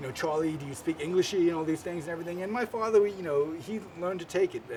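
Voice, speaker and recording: A man with a New York accent talks at a very fast pace in a high voice, with noticeable background noise. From New York City, Queens. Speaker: playwright and performer. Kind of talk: oral history tour talk. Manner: halting.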